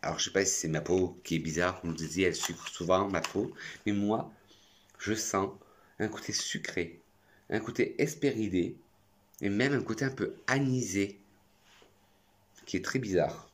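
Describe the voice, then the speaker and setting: A man's voice: deep voice, normal speed, pauses often. A French man reviewing perfumes in a chatty, effusive vlog. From France. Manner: chatty and effusive, talks to himself. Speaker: perfume youtuber.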